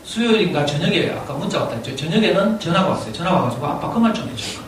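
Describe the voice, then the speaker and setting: A middle-aged man with a Gyeongsang accent tells a story to a lecture audience, his fairly high voice swinging widely in pitch. He is heard from a distance in a very echoey hall, with steady room noise underneath. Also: fast. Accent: Gyeongsang (Daegu). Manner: animated storyteller, laughs often while telling. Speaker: parent speaking at a parenting lecture.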